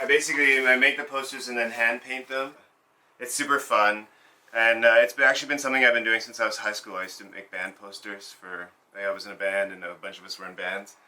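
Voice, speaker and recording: A man's voice: medium pitch, pushed and bright, recorded from a distance, a little hiss or hum. A man born in Zambia who works as a burlesque and cabaret performer, speaking reflectively in a documentary interview and often restarting his sentences as he searches for words.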